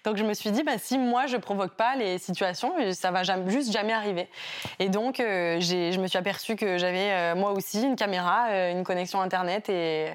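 Young woman guest, hybrid French-Québécois accent, lively storyteller. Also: medium pitch, brisk. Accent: mix of French and Québécois. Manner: animated storytelling, acts out quotes. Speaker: YouTuber guest. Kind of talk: casual interview talk.

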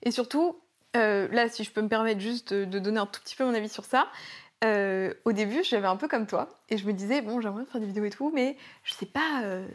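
A woman's voice: mid-range voice, fairly quick. A woman hosting a casual interview, asking long chatty questions. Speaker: interviewer host.

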